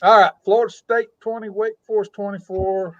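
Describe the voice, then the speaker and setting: High-voiced man musing, dry close sound. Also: little pitch movement, fairly quick, a bit bright, no room sound, highs cut off. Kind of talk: casual chat.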